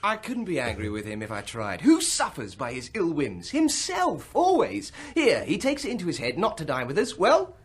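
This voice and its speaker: An actor playing a good-natured, teasing Victorian gentleman in a radio drama, exuberant and quick to laugh. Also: a little high, wildly swooping pitch, breathy edge, exaggerated voice. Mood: jovial.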